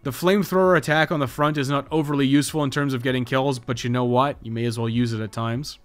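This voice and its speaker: A man's voice: medium pitch, fairly even intonation, fast, clean tone. Man narrating a game guide over music. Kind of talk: scripted gameplay guide narration. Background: background music.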